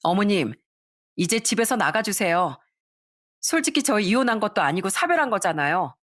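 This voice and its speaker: A woman's voice: mid-range voice, sing-song, moderate pace, a bit bright. A woman voicing a callous young daughter-in-law who talks down sharply and dismissively. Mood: cold dismissive.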